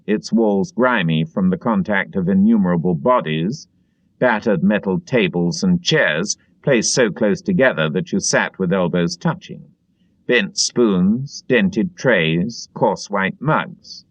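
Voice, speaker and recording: A man reading literary narration as an audiobook narrator, in a dramatic, expressive way. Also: fairly low pitch, no echo, highs cut off.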